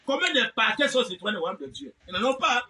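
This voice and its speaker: High-pitched shouting preacher. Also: male voice, expressive, fairly quick. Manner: exclamatory, repeats phrases and amens insistently; mocking, theatrical asides. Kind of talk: fiery revivalist sermon. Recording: distant mic with faint background noise.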